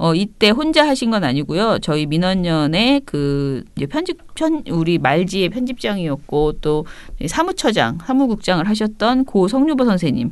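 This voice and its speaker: A woman talks with hardly any pauses. Her pitch swings very widely. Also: medium pitch for a woman. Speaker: media watchdog staff host. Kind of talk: news reading; casual chat. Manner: fast.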